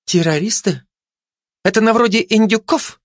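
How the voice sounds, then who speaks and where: A man voicing a gluttonous, excitable female dog who squeals and rambles dreamily about food, in a dry close recording. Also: sits high, normal speed, dry recording, pitched above the performer's own voice, lightly acted. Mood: eager.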